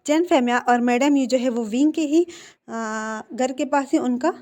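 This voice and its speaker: A woman chats through a fan fiction plot like a casual storyteller, leaning on filler phrases. Her voice is high and warm rather than bright. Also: measured pace.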